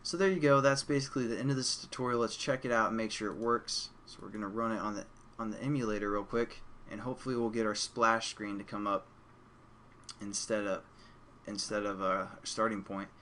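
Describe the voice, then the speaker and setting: A man's voice: fairly low pitch, a little fast, slight background noise. Casual man talking through a coding tutorial. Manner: relaxed, chatty, addresses viewers as you guys. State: losing his voice. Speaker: programming tutorial host.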